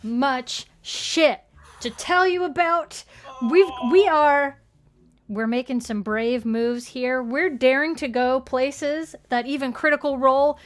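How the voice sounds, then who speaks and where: A woman co-hosting a live talk show, chatting in a lively, casual way. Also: sits high, slow.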